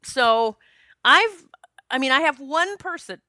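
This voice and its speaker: A woman in her late forties talks through a solo podcast episode. She is chatty and expressive, and her voice is bright and forceful. The sound is dry and close, with no room echo. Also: sits high, slow pace. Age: 40s. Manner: chatty and expressive, jokes with listeners. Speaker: podcast host and psychic medium.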